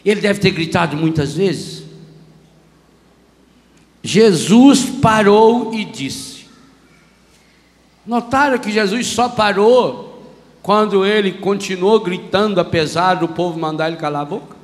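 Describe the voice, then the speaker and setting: A Brazilian man with a Brazilian Portuguese accent, preaching a lively, humorous sermon as a priest and acting out voices, in a reverberant church hall. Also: high-pitched, measured pace, long pauses.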